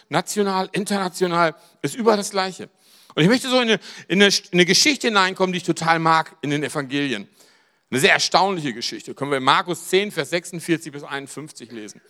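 High, bright-voiced preacher man. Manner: dramatic, rising to near-shouts on emphasized phrases and dropping low for asides. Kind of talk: sermon.

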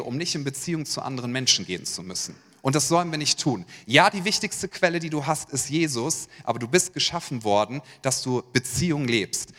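A man preaching a sermon, his voice sitting a little high. He talks straight at the congregation with lively questions. The sound carries a long reverb from a church hall. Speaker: pastor.

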